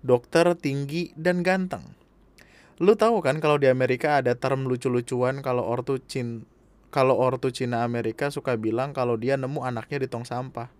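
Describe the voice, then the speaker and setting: A man with hosting a casual podcast, reading a listener's email aloud and chatting in an animated, laughing way with plenty of swearing. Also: mid-range voice, moderate pace, dry recording. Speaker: podcast host.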